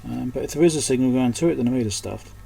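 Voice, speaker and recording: A man's voice: medium pitch, rapid-fire, vocal fry, dark tone. A man giving unscripted hands-on repair commentary, thinking aloud in short, muttered fragments as a technician at his bench. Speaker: electronics repair technician and host. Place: indoors at an electronics repair workbench.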